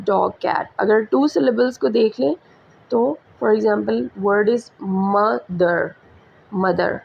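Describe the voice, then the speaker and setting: A woman with a Pakistani English accent teaching a school English lesson, speaking slowly and repeating example words. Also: a little high, vocal fry, darkish tone, husky. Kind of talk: slow classroom lecture mixing Hindi-Urdu and English. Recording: slightly muffled recording with faint background hiss.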